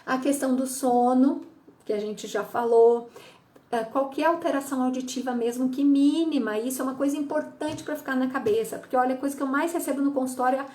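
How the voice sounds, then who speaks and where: Woman clinician explaining stuff, kinda high voice, checks in a lot, acts out what patients say. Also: a little fast, a little mellow. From Brazil. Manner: didactic, frequent "tá?" check-ins, acts out patient quotes. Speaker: audiologist and psychologist. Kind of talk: explanatory health talk.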